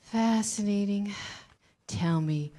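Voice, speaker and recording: A woman's voice: mid-range voice, slow, mellow, close to an everyday voice. A woman playing a seductive, manipulative Hollywood producer with a condescending streak in a staged reading. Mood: smooth, flattering.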